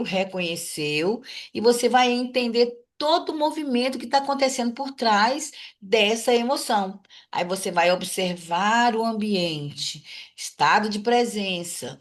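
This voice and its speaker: A woman teaching an online class. She repeats key words and asks and answers her own questions. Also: medium pitch. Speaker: course instructor. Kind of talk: recorded online class lecture.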